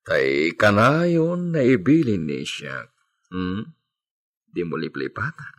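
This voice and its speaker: Doting, protective landowner husband, low voice with lively swings played by a man. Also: takes it slowly, heavily acted. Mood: tender. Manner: soft, doting, teasing. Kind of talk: amateur audio drama acting.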